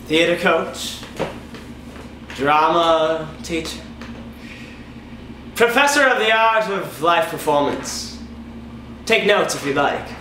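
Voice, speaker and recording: A young man playing a pompous, languid theater coach with drawn-out delivery in a comedy sketch. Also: a little high, lively intonation. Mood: self-important. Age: young adult. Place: indoors, room at home. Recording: roomy, faint background noise.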